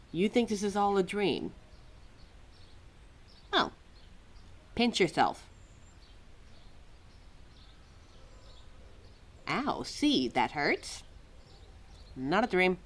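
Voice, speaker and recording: A woman playing a quirky, exasperated, motherly keeper of forgotten lore in an ad-libbed audio roleplay, chatty and wry with halting, musing asides. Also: fairly low pitch. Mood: wry, welcoming. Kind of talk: ad-libbed ASMR-style roleplay, talking to a listener.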